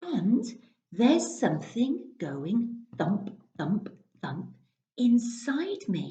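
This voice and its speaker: A put-on character voice, female-sounding and fairly high in pitch, with very wide pitch swings, a very slow pace and long, frequent pauses. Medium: read story. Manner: excitable.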